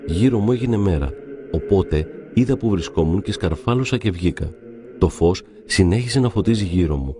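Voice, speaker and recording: A man narrating devout stories in a calm, measured reading. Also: deep voice, background noise. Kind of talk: reverent scripted reading of saints' stories.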